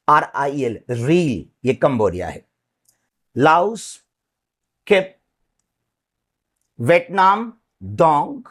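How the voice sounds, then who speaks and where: Slow, lively-pitched male teacher. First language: Sindhi. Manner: repeats names, checks in with "theek hai ji". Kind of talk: geography lesson at a map.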